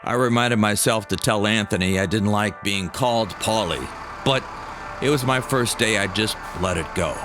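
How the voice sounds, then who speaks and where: A man's voice: fairly low pitch, normal speed. An American man telling a personal story as scripted first-person narration. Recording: music behind the voice.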